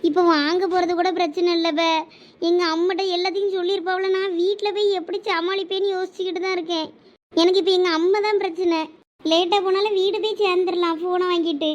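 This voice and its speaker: A woman's voice: very high voice, steady tone, quick pace, dull audio. A woman with a Thoothukudi Tamil accent voicing a fretful college girl in a cartoon, exclaiming in panic and scolding her friend. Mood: worried. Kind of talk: cartoon voice acting.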